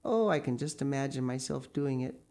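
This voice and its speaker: A woman's voice: extremely low pitch, lively intonation, a little fast, dark tone. A woman voicing an imaginative, talkative orphan girl who rambles wistfully. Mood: dreamy.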